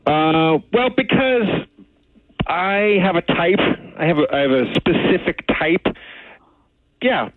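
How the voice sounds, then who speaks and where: A man calling in by phone, talking in a hesitant, halting way with awkward pauses. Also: sits high, sing-song, no room sound. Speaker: caller. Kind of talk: phone conversation with radio hosts. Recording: tinny phone line.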